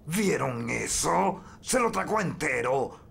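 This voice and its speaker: Blustering pirate captain, swooping delivery. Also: male voice, fairly high pitch, big pitch swings, slow, vocal fry, a bit bright, exaggerated voice. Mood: agitated. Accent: Latin American. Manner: theatrical, exclamatory pirate talk. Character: bearded male pirate captain, gruff, blustering, treasure-obsessed. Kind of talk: animated cartoon dub. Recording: music behind the voice.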